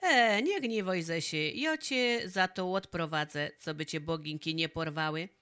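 A woman voicing a cocky young highland ladies' man with a Podhale highland accent, teasing and joking. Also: unhurried, a bit bright, clean tone.

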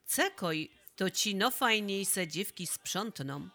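A woman voicing a nosy old matchmaking village woman with a Podhale highland accent, nagging and scolding. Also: lively intonation, takes it slowly, pushed and bright, exaggerated voice.

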